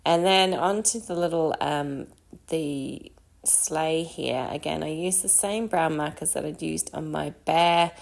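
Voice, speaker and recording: A woman with a croaky voice from a cold, chatting casually through a card-making voice-over with frequent ums. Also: low-pitched, unhurried.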